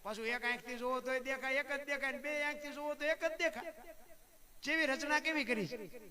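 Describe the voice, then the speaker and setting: High-voiced storyteller man on stage. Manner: animated, calls listeners "bapu", poses rhetorical questions. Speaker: dayro folk storyteller. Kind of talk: folk storytelling and moral talk to a live audience. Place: live stage event before a seated audience. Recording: live crowd audible behind voice.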